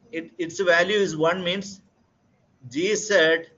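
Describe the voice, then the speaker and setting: Amid audible room echo, a man talks at a very slow pace with fairly even intonation. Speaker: scientist lecturer. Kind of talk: lecture. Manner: slow, deliberate.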